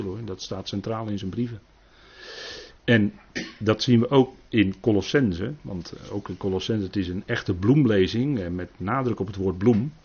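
A man's voice: fairly low pitch, slightly rough. A man teaching on scripture in a sermon style, emphatic, with frequent tag questions and rising stresses. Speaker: preacher. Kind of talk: bible study talk. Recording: muffled lo-fi recording.

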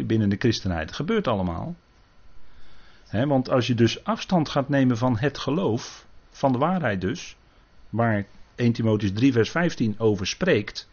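Earnest male preacher, muffled sound. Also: medium pitch. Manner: frequent tag questions, earnest and cautious. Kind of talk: Bible teaching sermon. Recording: dull lo-fi recording.

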